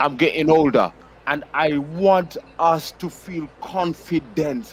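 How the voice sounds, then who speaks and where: A man with an East African accent, fairly high in pitch, with ordinary pitch variation. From Kenya, East Africa. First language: not English. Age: 30s. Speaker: panelist on a live stream. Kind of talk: casual heated chat. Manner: emphatic.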